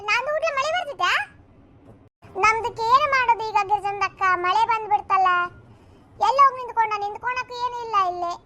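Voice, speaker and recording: Squeaky bickering village women. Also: female voice, pushed and bright, a little hiss or hum. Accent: North Karnataka Kannada. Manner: quick, scolding banter. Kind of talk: cartoon comedy dialogue.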